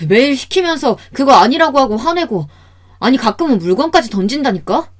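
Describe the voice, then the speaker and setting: A woman's voice: medium pitch, lively intonation, normal speed, mellow, husky. A woman voicing an exasperated son-in-law. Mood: complaining. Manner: exasperated pleading, sighing "ah" before complaints. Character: frustrated male son-in-law, middle-aged.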